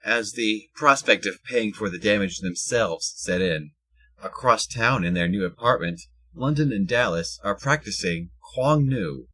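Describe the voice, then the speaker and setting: A man with a husky voice reading scripted narration for an audio drama. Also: lowish voice, unhurried, sharp tone.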